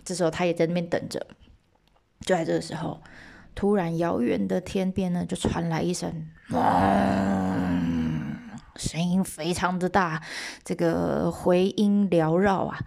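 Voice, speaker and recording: A woman telling an old legend in a casual, lively way, checking in with listeners and dropping chatty asides. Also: fairly low pitch, normal speed, creaky. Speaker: storyteller.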